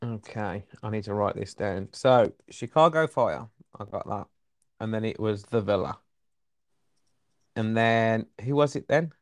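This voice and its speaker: Chatty Black Country man quizzing a friend. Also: lowish voice. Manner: chatty, rambling, quick asides. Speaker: quiz host. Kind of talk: casual football quiz chat.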